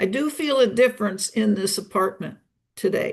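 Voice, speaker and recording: A woman's raspy, put-on character voice, fairly high in pitch, at a moderate pace. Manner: voice catching, can't talk easily.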